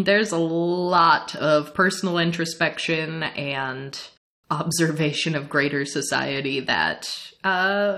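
A young adult woman from the Midwestern United States, chatting casually as a podcast co-host, animated and laughing often. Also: fairly low pitch. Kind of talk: casual chat recapping an anime series.

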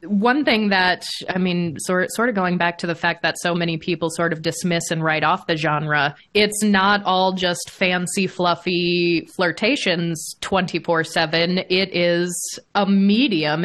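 A woman's voice: fairly low pitch, a bit bright. A woman hosting a casual interview, talking in a chatty, enthusiastic and emphatic way. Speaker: podcast host.

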